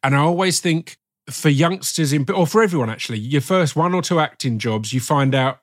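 A man's voice: fairly high pitch, a little fast, dry recording, clean studio sound. A middle-aged man with an Essex accent hosting a casual podcast, chatty and informal, often restarting his words. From Essex, England. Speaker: podcast host.

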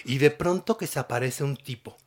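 A man's voice: medium pitch, brisk. A man with a Mexican accent, co-hosting and telling an old celebrity scandal with dramatic flair. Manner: dramatic storyteller, acts out quotes. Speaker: co-host telling celebrity gossip. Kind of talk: storytelling gossip chat.

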